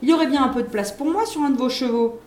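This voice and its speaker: A woman's voice: high-pitched, quick pace, reverberant, voice pushed up, close to an everyday voice. A woman voicing a cheeky, defiant little girl who is a witch, talking in a brash, boastful way.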